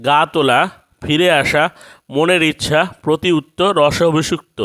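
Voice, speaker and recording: A man's voice: a little high, fairly even intonation, a bit bright. Man reading a grammar lesson. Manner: measured, reads word lists one by one. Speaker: grammar teacher. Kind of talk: scripted lesson narration.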